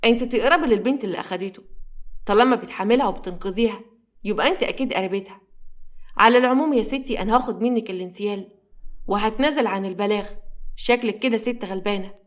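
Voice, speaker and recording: A woman's voice: mid-range voice, fast talker, natural voice. A woman with an Egyptian accent voicing a stern but forgiving male jeweler. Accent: Egyptian Arabic.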